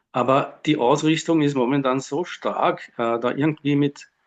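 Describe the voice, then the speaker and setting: This man has a Viennese accent and a fairly high pitch. His intonation stays fairly even. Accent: Viennese Austrian German. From Austria, Vienna. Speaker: course participant. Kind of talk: personal sharing in online group. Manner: halting, hesitant.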